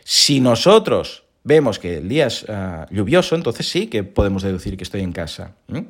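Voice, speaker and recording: Male podcast host, animated, pitch swings widely, slightly hoarse, talks straight to listeners. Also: normal speed. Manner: lively, animated explaining with rhetorical questions. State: recovering from hoarseness. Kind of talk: casual explanatory monologue.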